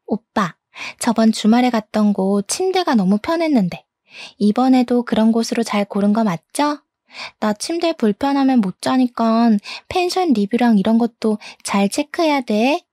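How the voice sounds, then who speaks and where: A woman's voice: fairly high pitch, lively intonation, moderate pace, mellow, dry recording, clean studio sound. A woman doing a coy, clingy young mistress.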